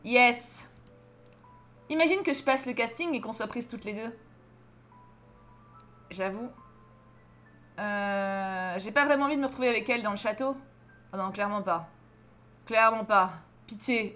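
A young adult woman with a French accent, chatting and joking loudly as she plays and reads a story game aloud. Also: fairly high pitch. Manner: chatty, expressive, joking, swings between loud outbursts and mutters. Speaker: streamer playing a story game. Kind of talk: casual gameplay commentary, reading game dialogue aloud.

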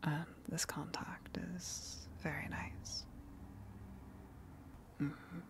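A woman's voice: sits low, little pitch movement, exaggerated voice. Woman as a shy, whispering tentacle monster. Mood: affectionate, sheepish. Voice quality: breathy whisper. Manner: hesitant, apologetic, soft giggles between halting phrases. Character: gentle, shy, affectionate female eldritch tentacle monster. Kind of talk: ASMR roleplay.

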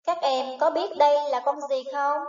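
A woman teacher giving a slow, patient phonics lesson to young children, spelling out sounds one syllable at a time. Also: sits high, steady tone, darkish tone. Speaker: primary school teacher. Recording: echoey, distant, dull recording.

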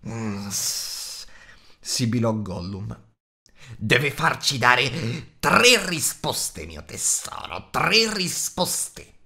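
Gollum, a hissing cave creature. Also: male voice, mid-range voice, sing-song, creaky, sharp tone, heavily acted. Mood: whining. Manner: hissing, speaks to itself as "my precious"; drawn-out, slow whiny delivery. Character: slimy hissing cave creature, wheedling and desperate.

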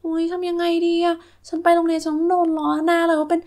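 A woman's voice: very high voice, monotone, quick pace, darkish tone. A woman voicing a whiny, dramatic young schoolgirl doll in a children's toy story. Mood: panicked, whining. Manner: exclaiming, complaining, melodramatic.

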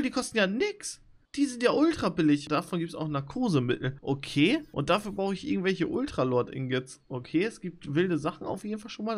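A young man streaming a video game, talking to his viewers and reacting loudly to the action. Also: on the high side. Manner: excitable, swings between shouting and muttering. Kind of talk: live gaming commentary.

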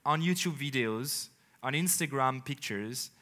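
A man in his thirties with a French accent, giving an energetic conference keynote on a large indoor stage, speaking in phrases with emphatic pauses. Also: mid-range voice. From France. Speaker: company executive presenting on stage.

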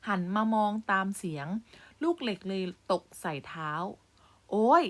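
A woman's voice: medium pitch, animated, moderate pace. A woman teaching young primary pupils, reading a story aloud and stopping to explain words patiently. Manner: patient, addresses pupils directly with polite particles. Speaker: primary school Thai teacher.

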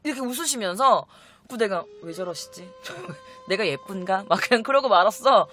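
A woman's voice: medium pitch, moderate pace. A young woman casually telling a personal story to her viewers, acting out the voices of her relatives as she goes. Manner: animated, acts out quoted relatives in shifting voices. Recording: faint music behind.

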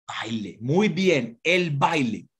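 A woman giving a lively lesson to children, asking them questions and having them repeat words. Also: medium pitch, unhurried, breathy edge. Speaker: children's history presenter.

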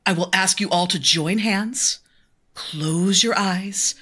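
A woman voicing a mystic who leads a seance, speaking in a solemn, hushed, incantatory way. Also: mid-range voice, slow, slightly rough, exaggerated voice. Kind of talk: audio drama acting.

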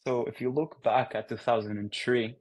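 A man's voice: medium pitch, level tone, normal speed, a little mellow, rough recording. A young man from Portugal giving an online research talk over a video call, in a casual, upbeat way with frequent fillers. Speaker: guest speaker.

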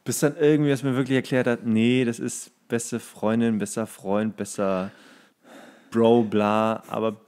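A man with a medium-pitched voice co-hosts a podcast. He talks in loose everyday slang, joking and thinking aloud in an informal comedic chat. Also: fairly even intonation, measured pace, a little mellow, smooth. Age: over 21, adult. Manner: colloquial, joking, guessing aloud. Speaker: podcast co-host.

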